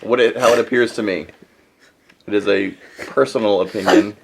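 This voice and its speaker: A man's voice: fairly low pitch, fairly even intonation, normal speed, gravelly, a little hiss or hum. A man co-hosting a music review podcast, talking enthusiastically and laughing often. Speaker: podcast co-host. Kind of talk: casual chat.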